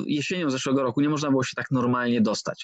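A man talking at a very fast pace. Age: 40s. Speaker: traveller. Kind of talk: interview.

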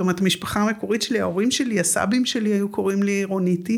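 Here a woman talks at a medium pitch. Nothing else is heard, as the recording is very clean and the background silent. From Israel. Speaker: community resident interviewee. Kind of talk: casual interview. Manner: halting, with fillers.

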